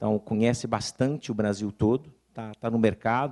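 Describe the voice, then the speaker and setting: The background stays quiet. A man talks at a moderate pace, his intonation fairly even. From Minas Gerais, Brazil (Governador Valadares). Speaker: bank regional superintendent. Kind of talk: conference presentation. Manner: hesitant, many fillers.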